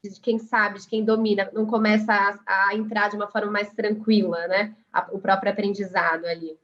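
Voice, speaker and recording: A woman's voice: mid-range voice, little pitch movement, normal speed, a bit bright, muffled recording. A woman with a Brazilian Portuguese accent moderating a panel, chatting and reflecting aloud as she sets up questions. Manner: conversational, asks and reflects aloud.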